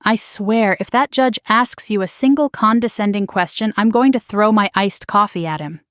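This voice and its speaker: A woman's voice: mid-range voice, normal speed, a bit bright, no room sound, studio quality, lightly acted. A woman voicing a fiery, loyal young friend speaking in a heated, protective way in a story reading.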